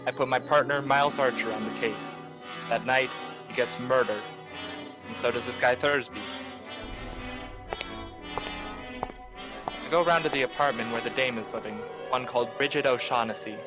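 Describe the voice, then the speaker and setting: A man acting a low-voiced, hard-boiled private eye. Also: fairly quick, music in the background, lightly acted. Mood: wry, matter-of-fact. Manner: clipped, slangy, sardonic. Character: hard-boiled male private detective, wry and cynical. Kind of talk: 1940s radio noir narration and dialogue.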